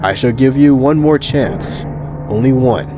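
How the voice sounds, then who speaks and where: A man voicing a female eldritch deity who speaks slowly and condescendingly, soothing yet menacing. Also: medium pitch, music in the background, close to an everyday voice. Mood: stately, commanding. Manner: slow, courtly, condescending.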